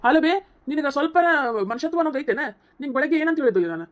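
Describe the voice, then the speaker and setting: A fast, insistent voice for a young village husband who scolds and lectures his family in a cartoon comedy, acted by a woman. The pitch sits a touch high, and the North Karnataka Kannada accent is strong. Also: expressive. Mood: scolding. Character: heated young husband defending his wife against his mother.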